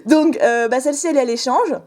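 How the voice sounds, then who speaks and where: Opening trading cards on camera, a young card-opening vlogger chats casually in a bubbly, playful way. She laughs a lot and uses a put-on southern French lilt, speaking fast in a high voice with a darkish tone.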